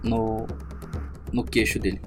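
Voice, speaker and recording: A man's voice: on the low side, flat delivery, slow, music in the background. A man with a Brazilian accent describing his moves casually as a player in a tabletop game.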